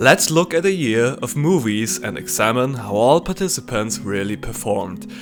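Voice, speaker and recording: A man talks with very wide pitch swings at a moderate pace while music plays in the background. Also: medium pitch for a man, hardly any pauses. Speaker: movie retrospective video creator. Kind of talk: casual commentary narration.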